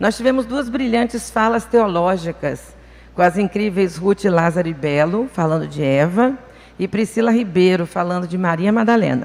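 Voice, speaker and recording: A woman's normal speaking voice at medium pitch, with lively intonation and a moderate pace. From Brazil, Espírito Santo (Vitória). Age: 60s. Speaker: psychologist, guest speaker at church. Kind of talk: church talk / reflective lecture.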